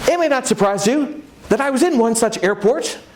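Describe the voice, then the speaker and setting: A man's animated tone with very wide pitch swings, over noticeable background noise. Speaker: motivational keynote speaker. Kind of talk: live keynote speech with storytelling. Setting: conference stage presentation. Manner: animated, engaging storyteller.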